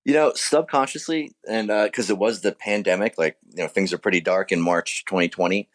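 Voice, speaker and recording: A man's voice: fairly low pitch, fairly quick. A man speaking casually as an interviewed author, reflecting on and explaining his own work.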